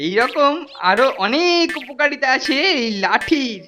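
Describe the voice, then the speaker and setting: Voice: sits high, animated, unhurried, pushed and bright, a little hiss or hum, full character voice. A performer voicing a boastful, teasing teenage senior schoolboy bully in a Bengali cartoon. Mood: taunting. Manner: taunting, boastful. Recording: music behind the voice.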